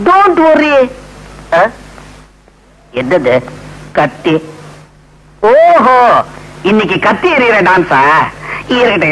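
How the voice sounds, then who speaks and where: A blustering London-returned braggart. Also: male voice, sits high, fairly bright tone, a little hiss or hum, heavily acted, low-quality recording. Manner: boastful, mixes English phrases, theatrical. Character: blustering man posing as a London visitor. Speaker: comic actor in a film scene.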